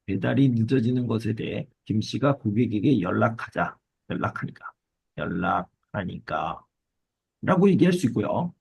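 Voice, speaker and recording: A man's voice: medium pitch, lively intonation, a little fast, gravelly, hardly any pauses, darkish tone, husky, no room sound, poor audio. A man teaching a Korean exam-prep lesson, explaining step by step, repeating key words and asking check questions.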